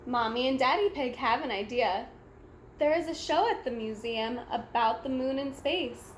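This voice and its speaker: A woman reading a children's storybook aloud in a deliberate, simple way for young listeners. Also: on the high side. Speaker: storybook read-aloud reader. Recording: echoey room with faint background noise.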